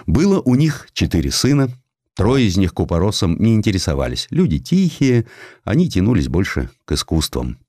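Deep-voiced, animated male storyteller. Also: dry recording, clean studio sound. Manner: theatrical, expressive delivery with dramatic pauses. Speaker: audiobook narrator. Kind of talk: dramatized storytelling, scripted narration of a historical sketch.

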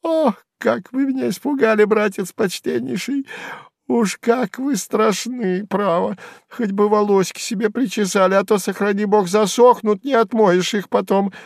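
A squeaky, chattering old hanger-on, jeering in a high, sing-song cackle. Gravelly grit runs under the shrill tone, and the storybook reading sounds close and dry. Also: male voice, a little slow, no echo. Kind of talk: audiobook character voice.

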